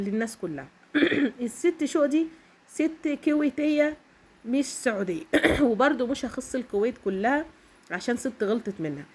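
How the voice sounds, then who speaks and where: An Egyptian woman vlogger with a cold, talking straight to her viewers in an emphatic casual monologue and often pausing to check in with them. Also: a little high. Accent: Egyptian Arabic. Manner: emphatic, keeps checking in with "okay?". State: has a cold, coughing. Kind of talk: casual direct-to-camera monologue.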